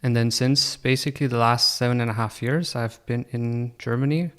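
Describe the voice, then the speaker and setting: A man in his twenties from Pakistan, a podcast guest telling his story in a relaxed, reflective way. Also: mid-range voice, normal speed. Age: 20s. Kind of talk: casual interview chat.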